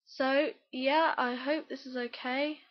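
A woman's voice: sits high, steady tone, slow pace, muffled recording. A young woman with a cold, casually introducing herself as an amateur voice actor. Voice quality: congested with a cold.

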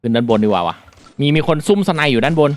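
A man reviewing a mobile shooter in casual commentary, explaining politely and then exclaiming excitedly while he plays. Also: mid-range voice, quick pace.

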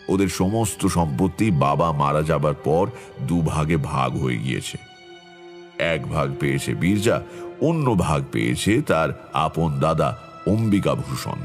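An actor playing a middle-aged tantric astrologer, narrating his past in a measured, reflective way for a horror audio story. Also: a bass voice, exaggerated voice. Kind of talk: dramatic first-person horror story narration. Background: background music.

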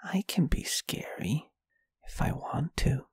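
A performer plays a bashful, friendly ghost in a whispered ASMR roleplay. The delivery is very slow, breathy and tender, with hesitant, intimate phrasing. It is recorded close and dry. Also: mid-range voice, very animated, no room sound. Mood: flustered, playful. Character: shy, gentle, lovestruck friendly ghost. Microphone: close microphone, dry.

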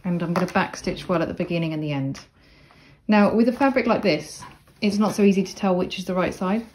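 A woman explaining sewing steps in a casual, chatty tutorial voice-over, with relaxed asides. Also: on the low side, fairly quick, slight background noise. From Cornwall, England. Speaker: sewing instructor. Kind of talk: casual step-by-step tutorial narration.

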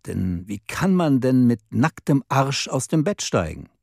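A man reading a prim, easily shocked woman in a spoken story, stern and let down. The voice is mellow and dark, and it swings widely in pitch on a dry studio recording. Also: sing-song, measured pace, creaky, no room sound, exaggerated voice. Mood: disappointed, stern. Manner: stern, disappointed. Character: shy divorced woman, prim and indignant.

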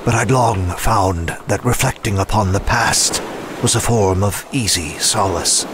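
Man playing a deep, solemn ancient immortal. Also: close to an everyday voice. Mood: melancholy, reflective. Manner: formal, measured, pensive. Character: solemn, reflective, centuries-old male immortal attendant. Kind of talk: scripted audio drama monologue. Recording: clear background noise under voice.

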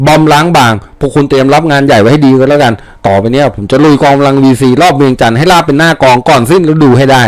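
A man voicing a blunt, hawkish American colonel who speaks forcefully and stresses every order. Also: on the high side, expressive, fast, dry recording, lightly acted. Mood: commanding.

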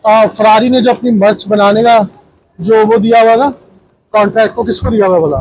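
High-pitched South Asian man vlogging. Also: moderate pace, darkish tone, a little hiss or hum, poor audio. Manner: chatty, playful, code-switching into English. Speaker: vlog host. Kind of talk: casual walk-through vlog commentary. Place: inside a large shopping mall.

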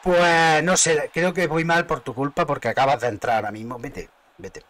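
A man with a Spain Spanish accent commentating his own football video game live, excitable, muttering and cursing at the action. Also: a little high, moderate pace. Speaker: gaming streamer.

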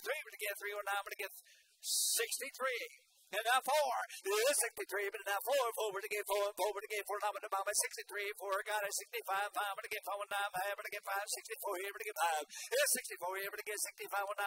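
A man's voice: sits high, pushed and bright, rough recording. An older man works as a livestock auctioneer, folksy and rhythmic in his announcements and chanting. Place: indoor livestock show arena. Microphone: microphone at auction stand. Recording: clear background arena noise.

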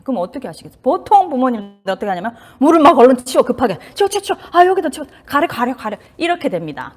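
A woman's voice: a little high, slightly rough. A middle-aged woman, a child psychiatrist, giving a casual talk and acting out parent and child voices, sometimes dropping to a whisper. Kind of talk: casual lecture to camera.

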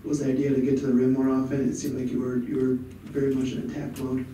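A man's voice: medium pitch, completely flat delivery, fast, mellow. Man asking questions in a very echoey room. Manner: rambling, multi-part questions. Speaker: sports reporter. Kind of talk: press conference questions. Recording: very echoey room, far from mic, background noise.

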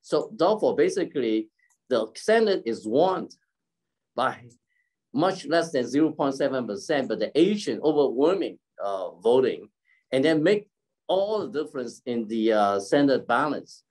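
In a sing-song, darkish mid-range voice, a community leader of about 70 stumbles through an extemporaneous keynote for an online forum, repeatedly clearing his throat. He's on a video call at home by a curtained window, and the desk-distance device mic yields poor audio.

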